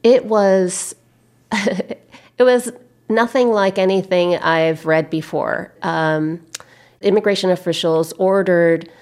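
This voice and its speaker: Measured, lowish-voiced American woman. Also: darkish tone. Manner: measured, deliberate, halting phrasing. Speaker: interviewed historian and author. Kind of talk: thoughtful interview answers.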